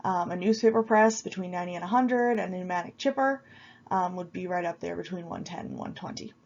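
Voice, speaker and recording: A woman's voice: lowish voice, fairly quick, creaky, a little mellow, lo-fi sound. Sniffly woman lecturer with a cold. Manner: informal, explanatory, frequent ums and restarts. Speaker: university lecturer. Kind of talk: recorded video lecture.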